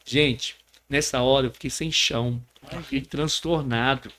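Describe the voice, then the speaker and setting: A man's voice: mid-range voice, steady tone, measured pace, sharp tone. A man with a Brazilian Portuguese accent, a pastor earnestly telling a personal testimony as a podcast guest, often tagging his sentences with a question. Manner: earnest storyteller, often adds a tag question.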